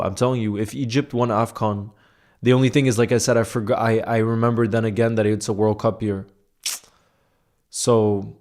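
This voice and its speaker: A young man hosts a casual livestream, chatting conversationally, reading viewer comments aloud and often asking "you know what I mean." His voice is mid-range with a darkish tone.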